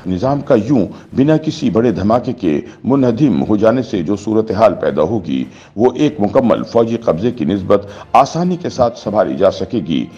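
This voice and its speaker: A man narrating a scripted news voice-over in a formal, measured reading style. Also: fairly low pitch, sing-song, warm tone, lo-fi sound.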